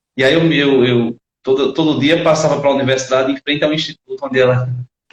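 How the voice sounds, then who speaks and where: Speaking very fast in a northeastern Brazilian accent, a man holds a fairly high pitch with monotone, flat intonation and very even loudness. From Brazilian Northeast sertão, Patos, Paraíba. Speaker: philosophy professor. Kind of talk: interview answers. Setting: online live stream.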